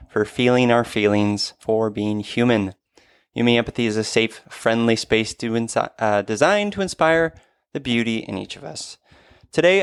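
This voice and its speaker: A man with a smooth, resonant voice hosts a podcast and reads his introduction in an earnest, friendly way. He is recorded close and dry, with no room sound. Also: mid-range voice, no echo. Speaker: podcast host.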